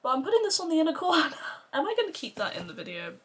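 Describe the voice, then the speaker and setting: A woman's voice: high-pitched, huge pitch swings, very fast, fairly bright tone. A woman beauty vlogger rambling casually and playfully to camera, with some swearing and self-deprecation. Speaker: beauty vlogger doing a makeup tutorial.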